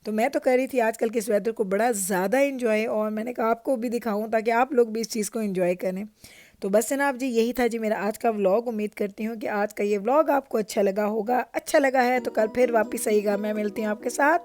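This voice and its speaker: A woman's voice: fairly high pitch, brisk, a little mellow, dry recording, clean studio sound. A middle-aged woman with a Pakistani Urdu accent, chatting through a home vlog and telling stories with frequent laughter. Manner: chatty and storytelling, laughs often. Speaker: vlogger. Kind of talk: casual vlog narration. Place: home in Canada.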